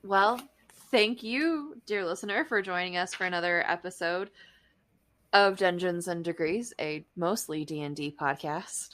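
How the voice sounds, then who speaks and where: A woman's voice: fairly low pitch, a little slow, fairly bright tone. A woman co-hosting a podcast in casual chat, with an informal, playful way of talking. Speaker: podcast co-host.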